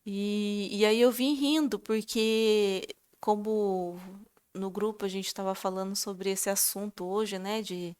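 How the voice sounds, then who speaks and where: Woman, casual faith talk, smooth clear voice, mid pitch. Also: steady tone, slow, darkish tone. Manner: chatty, laughs at herself, many fillers. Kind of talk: religious reflection, casual sharing.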